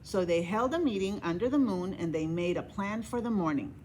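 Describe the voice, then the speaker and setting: A woman's voice: mid-range voice, lively intonation, normal speed, noisy background. A woman librarian reading a children's story aloud, each line in English then Spanish, with animal sounds.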